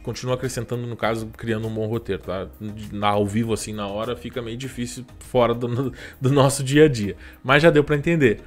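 A man in his thirties with a Brazilian Portuguese accent, giving relaxed, chatty channel advice on a live stream and tossing in quick tag questions. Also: medium pitch, faint music behind. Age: 30s. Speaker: YouTube growth coach hosting a live stream.

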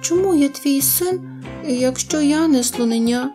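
A tiny lost mammoth calf from a storybook, eager and tearful, pleading in a high childlike voice, as a woman puts it on. The speech is slow and mellow, with soft music playing faintly behind.

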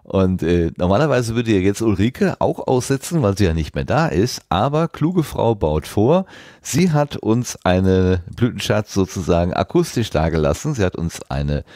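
Man, podcast host, dark mellow tone, very dry close sound, unscripted delivery. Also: lowish voice, no echo.

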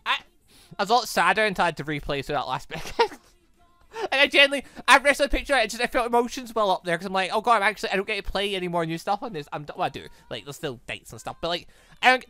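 Young woman, game streamer, bright and very animated, dry close mic over faint music. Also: medium pitch, quick pace, no room sound. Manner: chatty, animated, reads character lines in her own voice. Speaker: let's play streamer. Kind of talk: reading a visual novel aloud and reacting.

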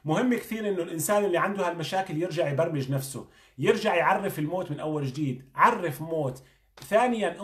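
High-voiced fast-talking man. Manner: earnest, coaching, asks many questions. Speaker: doctor giving advice. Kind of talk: motivational talk. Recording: echoey room.

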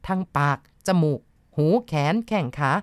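A woman's voice: moderate pace, no echo, studio quality, close to an everyday voice. A woman voicing a stern old woman exorcist who gives harsh, commanding orders. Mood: fierce. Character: stern old female village exorcist, forceful.

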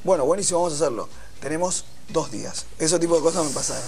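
A man in his thirties with an Argentine accent, a composer guest telling a story in a relaxed way on a TV studio set. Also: fairly high pitch, fast talker, a little hiss or hum. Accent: Argentine Spanish. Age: 30s. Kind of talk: casual chat.

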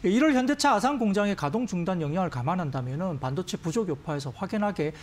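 A man in his thirties talks fast as a stock analyst on a finance broadcast, his voice a little high, packed with fillers as he reasons aloud. Recorded on a lapel mic in a TV studio. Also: animated, darkish tone, a little hiss or hum. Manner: rapid analytical talk with many fillers. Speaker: stock market analyst guest. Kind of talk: market commentary on TV finance show. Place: TV news studio.

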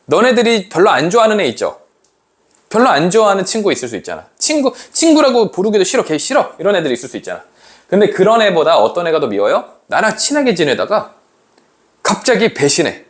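A male teacher lectures with plenty of energy, asking his students questions and acting out the lines he quotes. His voice sits a little high and rises and falls a great deal. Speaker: Korean literature teacher. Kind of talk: lively classroom lecture.

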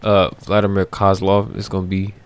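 A man's voice: low voice, monotone, normal speed, clear, resonant tone. A young man commenting on a video game as he plays it for the first time, incredulous and joking, talking back to the screen. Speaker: gamer. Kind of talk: blind let's play commentary.

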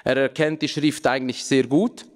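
A man in his thirties, a native Aramaic speaker, giving a relaxed conference talk from a lectern with joking asides and frequent filler sounds. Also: medium pitch, normal speed. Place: large conference hall, at a lectern. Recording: reverberant hall.

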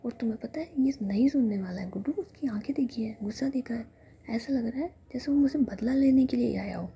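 A woman's voice: on the high side, a little fast, creaky, warm tone, a little hiss or hum. A woman voicing a sweet-talking, protective young woman in a whispery, coaxing tone.

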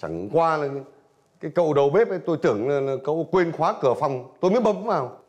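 An actor playing a gruff, fast-talking old man. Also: fairly high pitch, expressive, close to an everyday voice. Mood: heated. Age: older. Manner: shouts, scolding and defensive. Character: hot-tempered old man, gruff and proud. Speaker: nursing home resident. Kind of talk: TV drama acting.

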